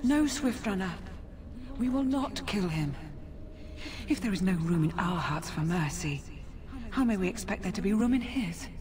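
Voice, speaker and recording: An actress playing a serene, sorrowful female forest spirit in a fantasy video game, solemn and gentle. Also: medium pitch, lively intonation, unhurried, a crowd in the background, lightly acted. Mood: calm, merciful.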